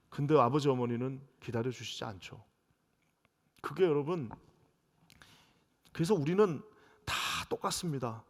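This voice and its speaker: A middle-aged man from South Korea, a pastor preaching a sermon, drifting from hushed storytelling to loud, fervent outbursts. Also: a little high. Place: church sanctuary. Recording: long reverb of a church hall.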